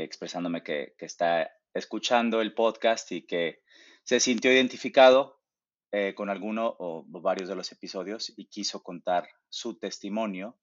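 A man hosting a podcast interview, speaking hesitantly and filling pauses with "eh". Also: fairly low pitch. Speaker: podcast host. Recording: dull lo-fi with faint music.

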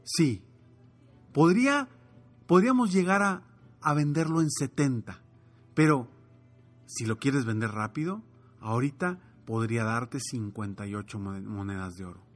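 A man storyteller voicing a businesslike jeweler who bargains in a deliberate, hesitant way in a fable. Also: medium pitch, faint music behind, lightly acted. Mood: bargaining.

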